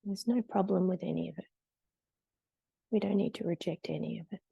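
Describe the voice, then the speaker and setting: A woman leading a guided meditation in a gentle, soothing, unhurried way with long pauses between short phrases. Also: lowish voice, creaky, breathy edge, dry recording, muffled recording.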